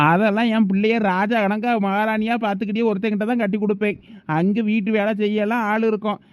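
A man's voice: sits high, little pitch movement, fast, clean tone, lightly acted. A man with a Thoothukudi Tamil accent playing an indulgent village father who soothes and spoils his daughter in a comedy skit.

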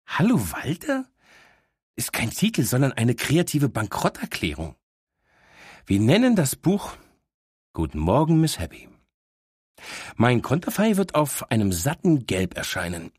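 A man's voice: mid-range voice, huge pitch swings, unhurried, pauses often, darkish tone, husky, no echo, studio quality, pitched above the performer's own voice, full character voice. A man voicing an opinionated young female talking dog, cheeky and sarcastic, in an audiobook. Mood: indignant. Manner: cheeky, know-it-all, sarcastic. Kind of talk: audiobook character voice.

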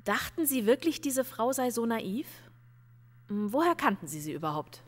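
A woman's voice: fairly high pitch, very animated, normal speed. An actress playing a no-nonsense female police detective in a crime radio drama, pointed, insistent and sarcastic. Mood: sarcastic, pressing. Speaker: police investigator. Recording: long hall reverb.

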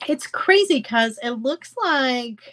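A woman's voice: high-pitched, slow. A woman in her thirties with a stuffy, congested voice, chatting casually with viewers from her home craft room. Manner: chatty, animated, gestures with hands. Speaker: jewelry-making livestream host. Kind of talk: casual live chat with viewers.

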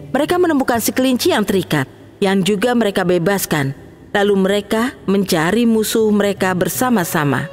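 With a clear and animated storyteller's voice, a woman tells a bedtime tale for children, her pitch swooping up and down as she goes.

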